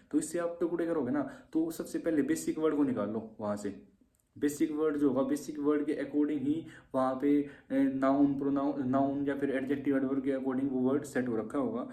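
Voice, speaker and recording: In a roomy recording, a man with a mellow, mid-range voice gives an informal exam-tips lesson to shorthand students. He tends to repeat himself and often adds "theek hai."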